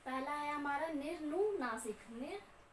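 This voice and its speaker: High-voiced woman teaching grammar, echoey. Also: distant mic. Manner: slow and repetitive, often checking in with "ठीक है". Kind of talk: classroom lecture. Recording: echoey room, voice off-mic with faint hum.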